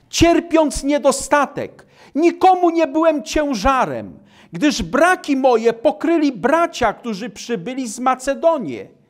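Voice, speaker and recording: An older man preaching at a lectern, slowly and deliberately reading and explaining Bible passages. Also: very high-pitched. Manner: slow, deliberate delivery reading scripture aloud. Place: studio with virtual backdrop, indoors.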